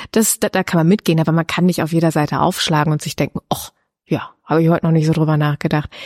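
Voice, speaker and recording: A woman speaks at a very fast pace in a monotone, flat intonation with a fairly low pitch. The sound is dry and close, with no echo. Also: very clean recording, silent background. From Germany, Cologne. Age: 30s. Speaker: pastor. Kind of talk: interview conversation. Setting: in-person, church office room.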